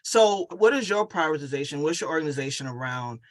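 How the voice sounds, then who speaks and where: A woman's voice: low-pitched, lively intonation, fairly quick, no room sound. An American woman hosting a casual interview like a coach, emphatic and affirming as she talks and asks questions.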